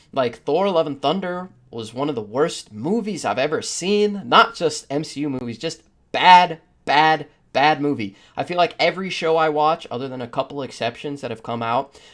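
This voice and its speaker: A man's voice: fairly high pitch, a bit bright. A man hosting a podcast in casual discussion, rambling through his opinions with the odd chuckle as he talks. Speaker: podcast host.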